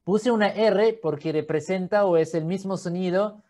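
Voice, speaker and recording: A man teaching an online lesson, patiently demonstrating sounds and often checking in with a quick question. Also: sits high, mellow. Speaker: Quran reading teacher.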